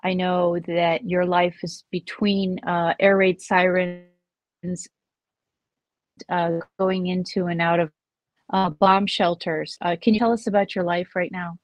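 A woman hosting an interview podcast over a video call, speaking in a measured way with frequent pauses and fillers. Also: on the low side, level tone, no room sound, lo-fi sound. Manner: measured, hesitant with many fillers. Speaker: podcast host.

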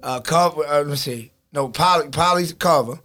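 A man, co-hosting a podcast in a casual chat, telling stories and teasing his friends. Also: fairly high pitch. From Baltimore, USA. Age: 30s. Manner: animated storytelling, teasing, quick joking. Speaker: podcast co-host and DJ.

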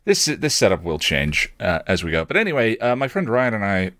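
A man's voice: fairly low pitch, very animated, brisk, fairly bright tone, no echo. A man hosting a casual solo podcast, talking in a digressive, self-deprecating way and often correcting himself mid-thought. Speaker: podcast host.

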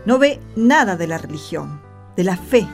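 A woman's voice: lowish voice, very animated, moderate pace, over music. A woman with an Argentine accent, presenting on a radio drama in scripted, explanatory dialogue.

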